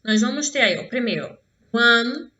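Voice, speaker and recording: A Brazilian woman teaching English to children, drawing out each English word slowly and often checking in with the class. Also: a little high, lively intonation, sharp tone, muffled recording. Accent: Brazilian Portuguese. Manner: slow, drawn-out modelling of English words. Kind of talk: online class for young pupils.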